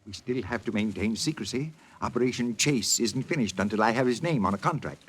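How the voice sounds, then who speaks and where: Brief: a blustering studio chief, self-pitying and bossy, big swooping delivery. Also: male voice, mid-range voice, expressive, fairly quick, husky. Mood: commanding. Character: pompous blustering male studio boss. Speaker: Hollywood producer. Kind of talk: 1940s radio acting.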